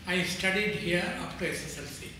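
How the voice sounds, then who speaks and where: An older man with an Indian English accent, answering interview questions in an unhurried way and often restarting his phrases as he remembers. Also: high voice, noisy background. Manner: unhurried, repeats and restarts phrases while recalling. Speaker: award-winning interviewee. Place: bright room in front of a banner, seated. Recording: echoey room from a distance.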